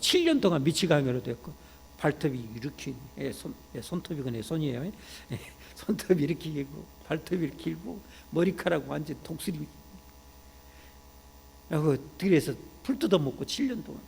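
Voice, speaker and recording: A man with a Jeolla accent preaching a sermon in a church, talking like in conversation, peppering lines with "ye" and turning to loud emphatic calls. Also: on the high side, big pitch swings, moderate pace, creaky, slight background noise. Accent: Jeolla Korean. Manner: conversational preaching, frequent "ye" interjections, rising to shouts when emphatic. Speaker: pastor. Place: church sanctuary. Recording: church hall reverb.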